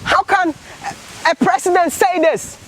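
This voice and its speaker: Impassioned high-voiced man vlogging outdoors. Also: unhurried, fairly bright tone, a little hiss or hum, low-quality recording. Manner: earnest, repeats rhetorical questions. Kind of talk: impassioned vlog commentary.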